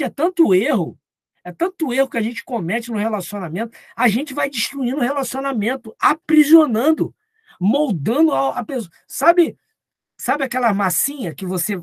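A man's voice: extremely high pitch, no echo, studio quality. A man preaching at a live Bible study, talking conversationally and acting out little dialogues. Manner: conversational, acts out quoted dialogue.

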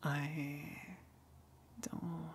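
A woman voicing a luring tentacled sea monster in an ASMR roleplay, coaxing softly in a breathy, hushed whisper with long pauses. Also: low-pitched, flat delivery, a little hiss or hum. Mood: reassuring.

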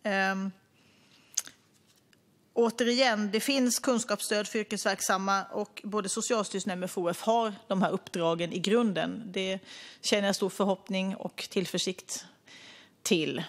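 A woman's voice: medium pitch, fairly even intonation. Swedish woman minister speaking at a podium. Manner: measured, hesitant with frequent fillers. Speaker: government minister. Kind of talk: parliamentary debate speech. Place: parliament chamber. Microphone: podium microphone.

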